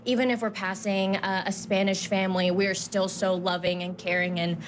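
A woman's voice: medium pitch, flat delivery, normal speed, slight background noise. A woman football fan answering interview questions in an effusive way in a sports bar. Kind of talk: on-location interview.

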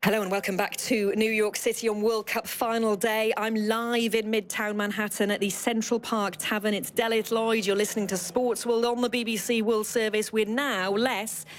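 A woman presenting a sports radio show live from a sports bar, interviewing fans in a lively, chatty way. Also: medium pitch, moderate pace, few pauses, slight background noise.

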